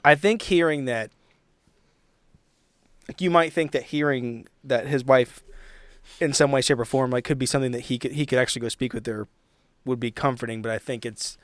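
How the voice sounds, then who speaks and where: A man's voice: mid-range voice, normal speed, no room sound. A man on a tabletop role-play podcast, narrating casually and rephrasing as he thinks.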